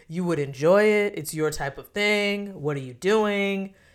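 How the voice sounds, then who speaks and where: On a very clean recording with a silent background, a woman speaks in an animated, enthusiastic tone with ordinary pitch variation. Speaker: psychologist podcast host. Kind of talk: solo podcast monologue.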